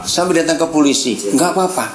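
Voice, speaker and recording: A woman's voice: low voice, quick pace, crowd noise. A woman preaching a sermon to a live congregation, teasing and acting out family quarrels with a laugh in her voice. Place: church hall with congregation. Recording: echoey hall with audience responding. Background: congregation answering.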